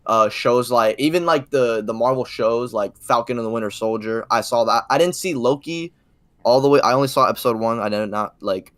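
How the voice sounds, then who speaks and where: A man's voice: mid-range voice, a little fast, fairly bright tone, no echo. A man co-hosting a casual fan podcast, slangy and emphatic, repeating words for stress. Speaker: podcast co-host.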